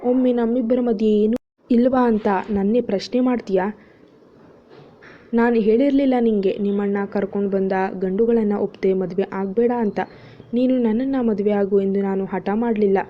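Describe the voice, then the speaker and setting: A woman voicing a patient, caring young husband in an audio story, speaking calmly and gently scolding. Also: mid-range voice, normal speed, natural voice. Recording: dull lo-fi audio with faint music.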